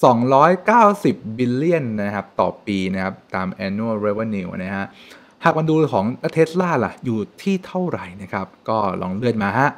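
A young man hosting a finance channel, explaining stock news to camera in an animated, chatty way from a room at home. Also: lowish voice, measured pace. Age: young adult. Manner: animated, chatty, frequent polite particles. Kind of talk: casual explainer talk to camera. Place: home room with shelves, indoors.

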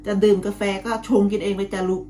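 A middle-aged woman, a little hoarse from calling, chatting casually to her viewers in a home vlog, friendly and talkative. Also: mid-range voice, level tone, fast, slight background noise. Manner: chatty, friendly, ends phrases with soft polite particles. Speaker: vlogger.

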